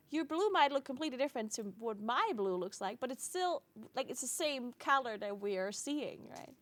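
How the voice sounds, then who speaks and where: A woman's voice: sits high, fairly bright tone. A woman streamer from Italy whose first language is German, chatting casually with viewers, playful and teasing with frequent laughs.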